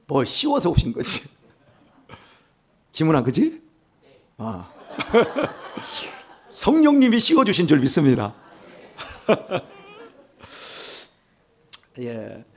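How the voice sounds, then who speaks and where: An older male pastor with a Chungcheong accent preaching a sermon in church, animated and self-mocking with humor. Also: on the high side, breathy edge. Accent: Chungcheong Korean. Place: church sanctuary.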